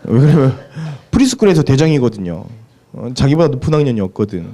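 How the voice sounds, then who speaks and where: A man's voice: mid-range voice, big pitch swings, fast talker, mellow. A man in his thirties preaching a sermon, telling a family story and asking the congregation questions. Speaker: pastor.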